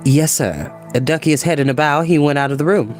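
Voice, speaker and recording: A man reading a children's novel aloud as narrator, in an expressive storytelling style. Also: fairly high pitch, fast talker, music in the background.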